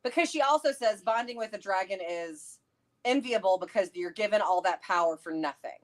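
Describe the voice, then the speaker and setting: A woman chatting casually and excitably, theorizing and thinking aloud as co-host of a livestream. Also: mid-range voice, fairly quick. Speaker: co-host of a book read-along livestream. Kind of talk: casual chat, theorizing about a fantasy novel.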